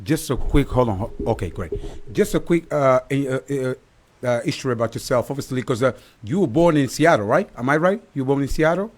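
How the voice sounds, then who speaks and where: A man's voice: mid-range voice, animated, brisk. A man hosting a live online talk show who rambles, restarts and fills with "uh". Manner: rambling with many fillers and restarts.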